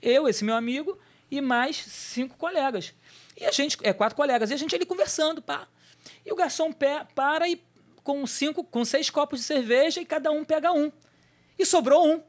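A man's voice: very high-pitched, moderate pace. A man sharing a personal testimony on a church talk show, telling the story with energy and acting out the voices of people in it.

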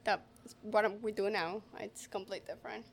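A woman in her thirties from Colombia, speaking as a guest in a soft-spoken, halting way with small English slips. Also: mid-range voice, fairly even intonation. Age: 30s. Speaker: guest, real estate entrepreneur. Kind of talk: casual interview.

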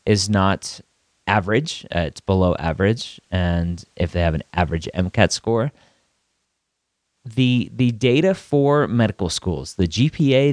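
Guy hosting a podcast, low voice, all stuffed up and nasal from a cold, dry close sound. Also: no echo. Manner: measured, explanatory, with small restarts. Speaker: podcast host. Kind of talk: solo podcast talk.

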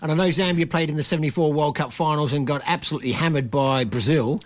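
A man's voice: a little high, steady tone, quick pace. A man co-hosting a casual football radio show from a studio, teasing his partner and laughing often. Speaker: radio co-host.

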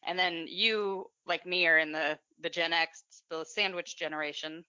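A woman's voice: lowish voice, fairly even intonation, moderate pace, sharp tone, smooth, no room sound, dull audio. A woman in her forties hosting an interview, setting up a long, thoughtful question. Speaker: podcast host.

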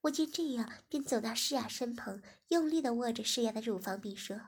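Woman, story narrator, gravelly voice, husky tone, fairly high pitch, even delivery. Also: a little fast. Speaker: story reader. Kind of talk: first-person erotic story narration.

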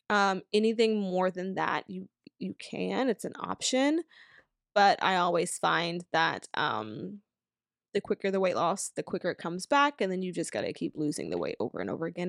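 A woman's voice: medium pitch, no echo, clean studio sound. A woman in her thirties hosting a solo podcast, chatty and upbeat, full of fillers like "like" and "um". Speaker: podcast host. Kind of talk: casual solo podcast advice.

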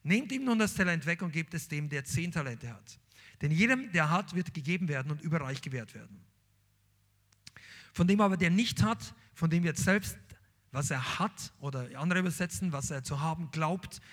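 Male pastor, animated sermon delivery, high voice, lively swinging pitch. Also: normal speed. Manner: animated preaching, reads scripture aloud then explains it.

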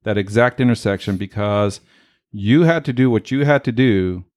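A man in his forties, a native Spanish speaker, hosting a casual interview and asking halting questions full of fillers and restarts. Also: on the low side, a little mellow, no room sound. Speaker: podcast host.

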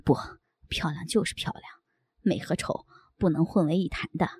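A woman voicing a soft-spoken man who coaxes tenderly in a hushed, half-whispered voice. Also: on the low side, normal speed, slightly rough, no room sound, studio quality, pitched below the performer's own voice. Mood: soft coaxing. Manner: tender, wheedling. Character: gentle coaxing adult man, soft-spoken lover.

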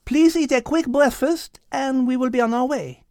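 A woman's voice: sits high, normal speed, a little mellow, no echo, clean studio sound. A woman voicing a bossy, polite and dainty female animal leader with a French accent in a children's story. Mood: commanding.

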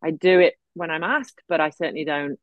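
English woman, low voice, video call. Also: quick pace, no room sound, narrow, tinny audio. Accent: generic English. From North Yorkshire, England. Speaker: art therapist, guest. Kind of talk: casual chat.

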